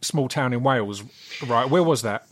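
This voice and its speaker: A man's voice: mid-range voice, animated, moderate pace. Eager English man from Essex, stumbling. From Essex, England. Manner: enthusiastic, stumbling over words. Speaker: podcast host. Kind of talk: casual interview chat.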